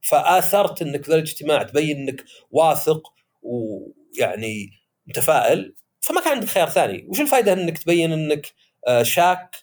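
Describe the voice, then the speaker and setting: A man chatting as podcast host, animated and acting out the voices he quotes. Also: a little high. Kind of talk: casual podcast discussion.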